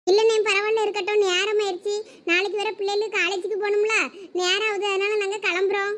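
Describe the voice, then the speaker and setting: A woman's voice: very high-pitched, flat delivery, fast, fairly bright tone. A woman voicing bickering young village wives in a comic cartoon family drama, with a Thoothukudi Tamil accent and a quarrelsome, complaining manner. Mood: polite. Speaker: cartoon voice actor.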